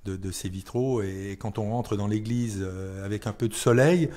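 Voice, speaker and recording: Low, mellow Frenchman, halting delivery. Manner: hesitant, halting, repeats words while searching for phrasing. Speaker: town mayor being interviewed. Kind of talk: unscripted radio interview.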